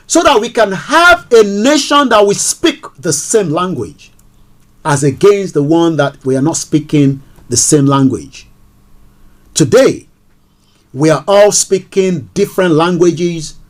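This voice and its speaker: A man in his forties with a Yoruba Nigerian accent, hosting a radio talk show and speaking passionately in a mix of English and Yoruba, with many rhetorical questions. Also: fairly high pitch. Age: 40s. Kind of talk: impassioned political radio talk.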